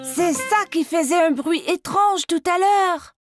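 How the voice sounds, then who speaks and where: A woman's voice: extremely high pitch, a little slow, soft background music. A woman voicing a curious, eager four-year-old boy in a French-language children's cartoon. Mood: curious, trusting.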